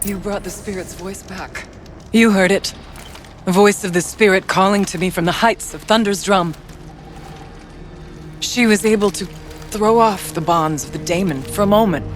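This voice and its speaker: A woman's voice: mid-range voice, normal speed, pauses often, a little hiss or hum, natural voice. A woman playing a devout, anguished female tribal shaman in a video game, with solemn, fervent, formal delivery. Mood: awed, earnest. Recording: voice over game music. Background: music.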